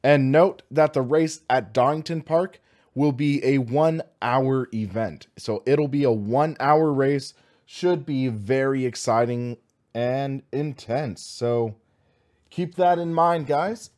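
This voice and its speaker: A young American man hosts a livestream in a casual, upbeat way. His voice sits at an average pitch and is slightly hoarse. He talks informally and with enthusiasm, as if chatting to friends. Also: slow, darkish tone. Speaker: host of a sim racing livestream.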